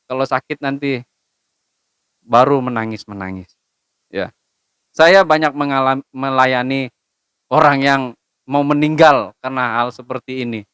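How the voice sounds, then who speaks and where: A woman's voice: a bass voice, measured pace, pauses often, a bit bright, smooth, no room sound. A young woman preaching a sermon to a youth service, speaking in a direct, admonishing way and drawing on her own experience. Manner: direct, admonishing, personal testimony.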